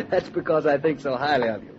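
An actor playing a playful young husband in 1940s radio acting, coy and teasing, fussily protective. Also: male voice, a little high, fairly quick, background noise, lightly acted. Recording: dull old radio transcription.

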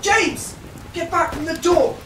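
A woman's voice: very high-pitched, slow. A woman playing an urgent, insistent young woman leading her frightened friends in an audio drama. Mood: panicked, urgent. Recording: noisy, distant, roomy audio drama scene.

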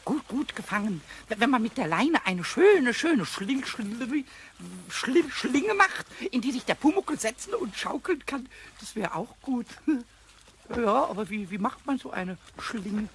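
A man playing a cheeky, boastful little kobold with a squeaky, shrill voice, stammering and repeating words excitedly in a children's radio play. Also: a little slow, exaggerated voice. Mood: curious, musing. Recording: faintly noisy old cassette recording.

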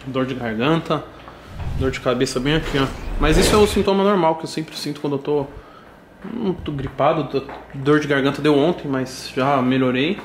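A man's voice: a little high, steady tone, normal speed, noisy background. Slangy young man vlogging. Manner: slangy, upbeat, talks to camera. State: stuffy with a cold. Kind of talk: casual vlog. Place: house indoors and street. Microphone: handheld camera at arm's length.

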